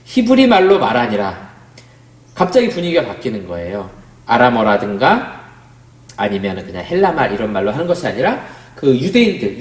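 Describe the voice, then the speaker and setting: A man's voice: a little high, darkish tone. A man, a pastor, giving a Bible study lecture in a conversational way, often asking the class questions. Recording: roomy, echoey room sound.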